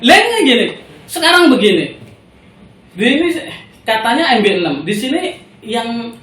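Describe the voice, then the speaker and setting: A man's voice: very high voice, normal speed, slight background noise. A man from Indonesia, casually telling a story as a guest and acting out the dialogue with laughter. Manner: animated, laughing, acts out dialogue. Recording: roomy echo from far off.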